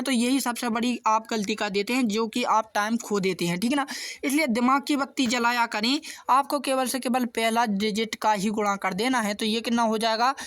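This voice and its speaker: There's no room sound around this man's very high-pitched voice as he tutors math for an upcoming exam. Explaining patiently and steadily, he moves step by step and keeps questioning his viewers, then responding to his own questions.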